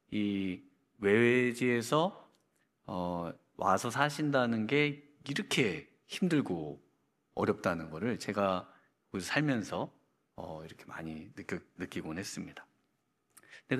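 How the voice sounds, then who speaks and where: Male pastor, middle-aged, low-ish, conversational sermon with frequent fillers, echoing sanctuary. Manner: conversational storytelling with many fillers. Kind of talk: Friday prayer meeting sermon. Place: church sanctuary. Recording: church hall reverb.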